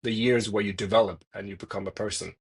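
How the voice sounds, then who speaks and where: A man's voice: fairly low pitch, steady tone, fast, slightly rough. A man in his thirties from Denmark, a freelance journalist answering interview questions thoughtfully, often restarting and repeating words mid-sentence. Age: 30s. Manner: thoughtful, frequent restarts, repeats words while searching for phrasing. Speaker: freelance journalist, podcast guest.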